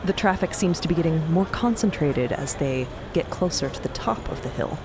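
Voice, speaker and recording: A woman's voice: low-pitched, expressive, moderate pace, noisy background. A woman narrating a scripted story in a descriptive storytelling style. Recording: loud music behind narration.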